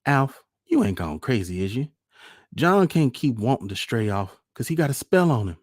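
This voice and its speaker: A man's voice: on the low side, fairly even intonation, moderate pace, darkish tone, no room sound, studio quality, voice pushed up. A man voicing a small, superstitious, fretful country mother with a rural Southern accent and an insistent, scolding manner in a storybook reading. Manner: scolding, insistent dialect speech.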